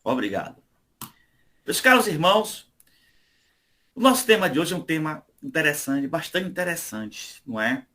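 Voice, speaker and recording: A man's voice: a little high, animated, fairly quick, few pauses, a bit bright. A man from Salvador with a Bahian Brazilian accent, speaking conversationally as a guest at an online religious study meeting and often adding tag questions. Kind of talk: informal religious talk.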